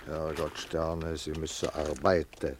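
An actor playing a gruff, commanding camp guard in a radio drama. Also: male voice, very deep voice, flat delivery, slow. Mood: gruff, scolding. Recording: distant voice, loud background noise.

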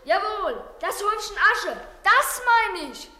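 A performer playing an excitable, plucky young schoolboy in a children's radio play, heard in an echoey, reverberant space. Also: extremely high pitch, unhurried, exaggerated voice. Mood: eager, defiant.

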